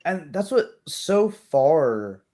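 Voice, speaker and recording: A man's voice: fairly high pitch, big pitch swings, extremely slow, a crowd in the background. A man chatting casually about tabletop games, acting out little asides as he explains. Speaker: tabletop roleplay show host.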